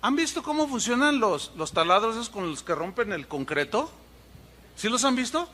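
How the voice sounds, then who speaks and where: A middle-aged pastor preaching a sermon, telling stories and imitating sounds and voices for humor. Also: male voice, sits high, big pitch swings, normal speed, sharp tone. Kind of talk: sermon with storytelling.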